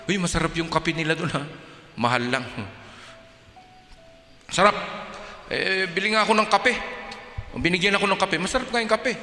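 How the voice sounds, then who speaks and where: A man's voice: sits high, moderate pace, long pauses. A man with a Filipino accent, a pastor telling a story in a sermon and acting out the dialogue. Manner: animated storyteller, acts out dialogue. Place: church. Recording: echoey church hall with music.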